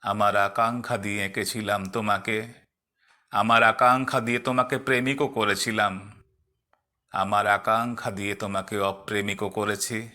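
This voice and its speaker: A man reciting poetry in a dramatic, expressive way, in measured phrases set apart by pauses. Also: on the low side.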